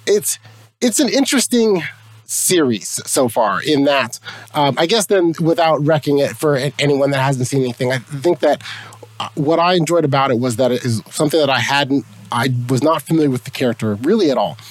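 A man with a raspy voice, hoarse from a cold and cracking at times, chatting casually as a podcast guest and talking in halting restarts. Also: medium pitch, animated, dry recording. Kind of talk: casual chat.

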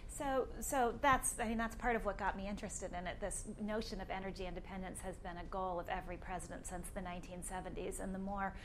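A woman with a soft voice, an author speaking in a live public conversation on stage into a microphone, thoughtful and halting, with many fillers and restarts. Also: mid-range voice, steady tone, slight background noise. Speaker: author being interviewed. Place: live event before an audience.

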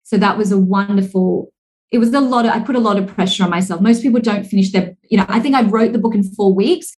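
Fast and fluent, a Singaporean woman in her thirties speaks as a podcast guest in a casual interview; she's a speaker and author. Her middle-pitched, energetic talk flows in long stretches, leaning heavily on "like" and "you know."

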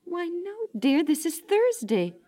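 A high-pitched American wife from a 1950s radio comedy. She is patient yet exasperated, a suburban mother who presses her point with insistent questions. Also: very animated, a little slow, mellow, full character voice. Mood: bemused, soothing.

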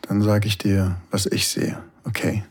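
A man's voice: on the low side, level tone, a little slow, husky. A man acting a commanding, reassuring lover in an intimate erotic audio drama, murmuring breathily right in the ear, often near a whisper. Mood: calm, reassuring. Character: commanding, reassuring male lover, tender and desiring.

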